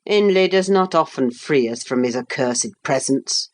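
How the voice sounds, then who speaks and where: Reading aloud, a woman takes on the part of a sullen, resentful young man, keeping an expressive, low, unhurried voice close to her natural one.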